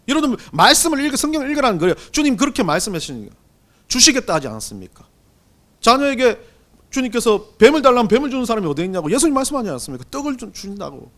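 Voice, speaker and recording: A middle-aged man preaching a Sunday sermon as pastor, swinging between loud and hushed delivery. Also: extremely high pitch. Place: church sanctuary.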